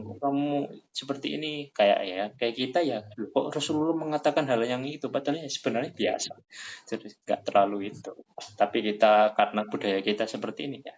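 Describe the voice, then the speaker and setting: A man hosting a casual religious study talk, animated, his voice climbing high when he quotes people. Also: slight background noise. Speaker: study session host. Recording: dull lo-fi sound.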